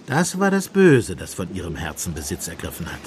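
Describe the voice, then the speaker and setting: An actor playing a shrewd, compassionate priest detective in a radio play, speaking in a measured, persuasive pastoral manner. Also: male voice, low-pitched, huge pitch swings, slight background noise. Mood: grave. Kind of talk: German radio play acting.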